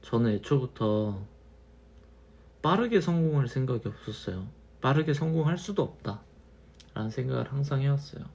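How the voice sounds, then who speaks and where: A man in his thirties, a little tipsy from wine, musing slowly in a casual monologue and repeating his phrases. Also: mid-range voice, animated, vocal fry, darkish tone, dull audio. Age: 30s. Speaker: channel host.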